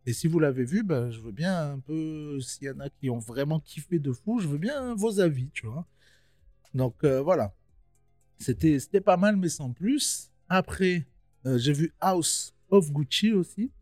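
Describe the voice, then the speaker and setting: A man's voice: a little high, expressive, a little slow, darkish tone, dry recording, studio quality, faint music behind. A young man giving a casual film review, slangy and chatty, talking straight to his viewers.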